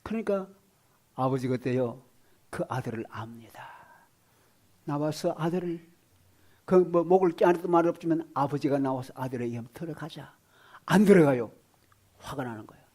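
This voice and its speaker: A male pastor preaching a sermon in a fairly high voice. He swings between loud exclamations and hushed whispers and keeps asking the congregation questions. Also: moderate pace, long pauses.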